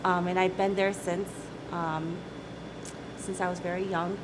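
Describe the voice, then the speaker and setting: A woman's voice: fairly low pitch, flat delivery, unhurried. Female CEO guest, late 30s, chatty and upbeat, noisy recording. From South Korea. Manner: chatty, laughs easily, says "right?" often. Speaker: company CEO, interview guest. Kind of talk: casual interview talk.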